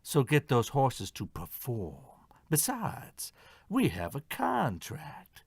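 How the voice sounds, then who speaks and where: A man's voice: medium pitch, wildly swooping pitch, slow pace, vocal fry, slightly rough, no echo, studio quality, heavily acted. A man voicing a greedy, bullying horse owner in an audio mystery play, with a demanding, threatening manner. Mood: threatening, pushy. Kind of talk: audio theatre murder mystery acting.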